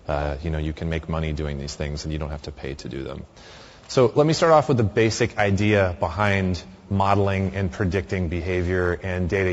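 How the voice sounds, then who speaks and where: A man's voice: deep voice, highs cut off. A man in his thirties giving a conversational conference talk in a large hall, with frequent fillers and restarts. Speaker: conference speaker.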